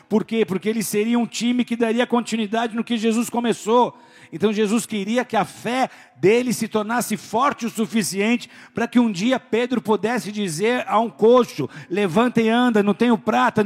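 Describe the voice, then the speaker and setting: Animated preacher, higher-pitched man. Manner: animated storytelling, acting out voices, shouting at peaks. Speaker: pastor. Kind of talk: sermon.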